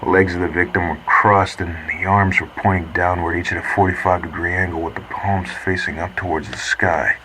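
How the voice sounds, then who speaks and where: An actor playing a grim 1950s man reading a report aloud deliberately, as heard on an old tape. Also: low voice, steady tone, lightly acted. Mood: grim, matter-of-fact. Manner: deliberate, muttering disgusted asides. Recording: noisy old wire-tape recording.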